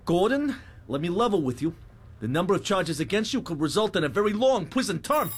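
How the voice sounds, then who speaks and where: A smooth-talking army captain, played by a man in a stage play. His polite, coaxing voice moves lively up and down. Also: high-pitched, brisk, voice pushed up, exaggerated voice. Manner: polite, coaxing, deferential to superiors.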